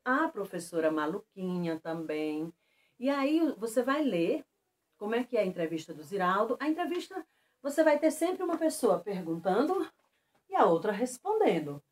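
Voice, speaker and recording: A Brazilian woman teacher giving a lesson to schoolchildren, stressing example words slowly and clearly. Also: medium pitch. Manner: lively, slow and emphatic on example words. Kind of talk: remote lesson for children.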